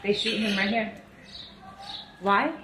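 A woman's voice: mid-range voice, little pitch movement, takes it slowly. A woman vlogger outdoors, asking short, curious follow-up questions on a walking tour. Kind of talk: casual interview questions. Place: outdoors in narrow camp alleys. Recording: outdoor camera audio, distant and echoey, street noise.

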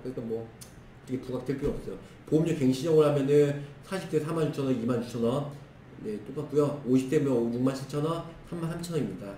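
A hoarse man in his thirties runs through insurance coverage in brisk, clipped phrases. He sits back from the mic in an echoey room. A faint hiss stays under his voice. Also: mid-range voice, warm tone, recorded from a distance. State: hoarse, strained throat. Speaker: insurance product explainer. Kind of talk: screen-share product walkthrough. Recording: roomy echo, voice off-mic with faint noise.

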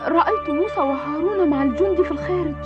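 A woman's voice: very high voice, very fast. A woman playing an earnest, questioning young girl in a cartoon. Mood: anxious. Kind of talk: cartoon drama acting. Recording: dull lo-fi soundtrack with music.

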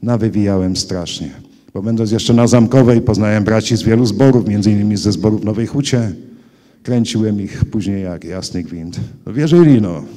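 A man giving an earnest personal testimony to a congregation, moving between hushed recollection and loud cries. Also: lowish voice, normal speed. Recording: long hall reverb.

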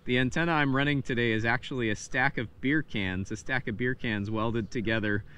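A man's voice: mid-range voice, brisk. A man in his thirties chatting casually as an amateur radio operator, with an easy, friendly manner. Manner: relaxed, friendly, uses phonetic spelling. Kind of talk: casual radio contact chat. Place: front yard, outdoors. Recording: outdoor recording with clear background noise.

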